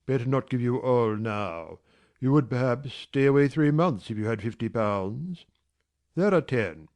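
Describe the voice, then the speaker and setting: A man voicing a brusque, teasing, middle-aged gentleman employer in a dramatized reading of a classic novel. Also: medium pitch, animated, a little slow. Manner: gruff, teasing, commanding.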